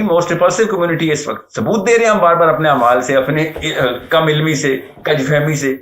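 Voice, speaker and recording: A man's voice: on the high side, a bit bright. Earnest man lecturing in an echoey room. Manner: earnest, lecturing, mixes English words. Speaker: guest speaker. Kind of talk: Islamic talk show discussion.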